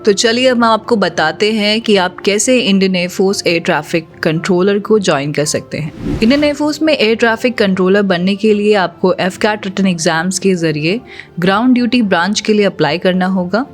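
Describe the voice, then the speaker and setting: A woman's voice: medium pitch, a little fast, faint music behind. Woman narrating an informative explainer. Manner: steady informative delivery, mixing English terms into Hindi. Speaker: channel presenter.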